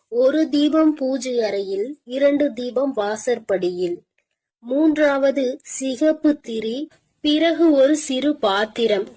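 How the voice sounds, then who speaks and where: A woman's voice: a little high, a little mellow. A woman speaking as a protective yet stern mother goddess, delivering a devotional divine message and addressing the listener as her child with firm instructions.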